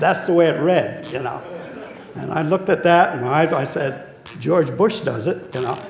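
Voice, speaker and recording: A man talks amid noticeable background noise, with audible echo from the room. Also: fairly high pitch for a man, ordinary pitch variation, moderate pace. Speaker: war veteran. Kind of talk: storytelling.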